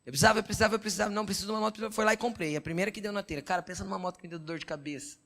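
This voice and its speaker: A middle-aged Brazilian pastor preaching a sermon, telling personal stories and often checking that listeners follow. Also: male voice, high-pitched, fairly even intonation, very fast, a bit bright. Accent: Brazilian Portuguese. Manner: conversational preaching with frequent "entendeu?" check-ins; storytelling, quoting God and his wife in dialogue.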